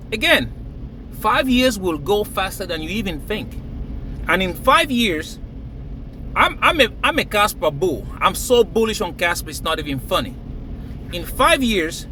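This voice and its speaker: A man's voice: high-pitched, sharp tone, a little hiss or hum, rough recording. A man from Cameroon, raised in Nigeria, talking emphatically to camera and laughing between phrases. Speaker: crypto vlogger. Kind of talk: casual hype monologue to camera.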